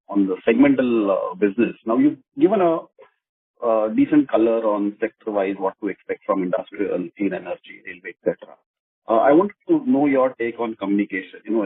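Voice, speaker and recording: An Indian man puts questions as an analyst on an earnings call, phrasing them politely and a little tentatively. His voice is low and rough-edged. The sound is narrow, as over a telephone. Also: lively intonation, fairly quick. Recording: muffled, narrow phone line.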